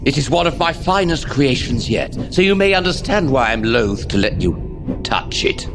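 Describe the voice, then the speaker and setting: An actor playing a cruel dark lord in a fantasy audio drama, haughty, menacing and theatrical. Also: male voice, medium pitch, very animated, normal speed, lightly acted. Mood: cold menace. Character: sneering villainous dark lord of the hunt, cruel. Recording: dramatic music behind.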